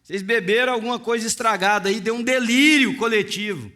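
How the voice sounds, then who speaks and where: A man voicing a doubting male disciple who scoffs at his friends, in a lower, quieter tone than his own preaching voice. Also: a little fast. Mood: scoffing. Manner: scoffing, dismissive.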